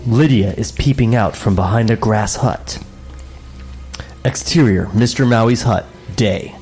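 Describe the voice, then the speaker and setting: A man co-hosting a comedic table read, reading stage directions with wry, quick asides and frequent laughs. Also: on the low side, a little mellow, faint music behind.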